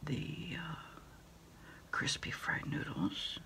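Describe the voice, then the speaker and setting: A middle-aged woman in a quiet ASMR roleplay, speaking haltingly and hushed as she takes a takeout order over the phone. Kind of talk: ASMR roleplay, whispered one-sided phone conversation.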